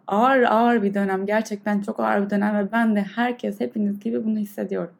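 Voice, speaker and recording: Gravelly-edged woman, earnest and thoughtful. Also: medium pitch, flat delivery, brisk. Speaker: podcast host. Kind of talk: reflective solo podcast talk leading into guided breathing meditation.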